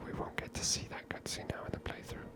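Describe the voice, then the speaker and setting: A woman whispers her way through a video game as an ASMR host. Her voice is breathy and unvoiced, and her commentary is chatty and unscripted. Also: fast.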